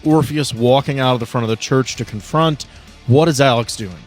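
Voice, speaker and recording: A man's voice: mid-range voice, a little fast. A man acting as game master, narrating scenes and rulings in a tabletop roleplaying game. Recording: background music under the voice.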